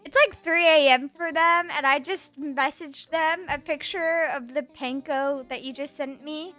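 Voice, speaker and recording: A woman's voice: high voice, fairly even intonation, a little slow. A woman streamer chatting casually and playfully, rambling as she reads out her chat and teases viewers. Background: soft background music.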